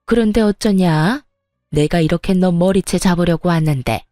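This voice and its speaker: A woman's voice: lowish voice, normal speed, mellow, no echo, clean studio sound, soft background music, lightly acted. A woman voicing a furious, spiteful older mother-in-law who berates and sneers, in a dramatized story reading. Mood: angry scolding.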